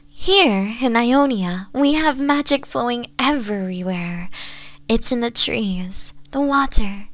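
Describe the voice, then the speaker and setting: A woman voicing a flirtatious, possessive nine-tailed fox woman in an ASMR roleplay, speaking softly and coaxingly and slipping into breathy whispers. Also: fairly high pitch, no room sound. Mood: proud, musing.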